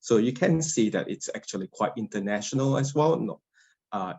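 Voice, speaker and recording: A man from Malaysia, a university lecturer, giving a polite, measured presentation from slides. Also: lowish voice, lively intonation, warm tone, breathy edge. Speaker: guest lecturer. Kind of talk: presentation over a webinar. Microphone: video call. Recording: dull lo-fi video call audio.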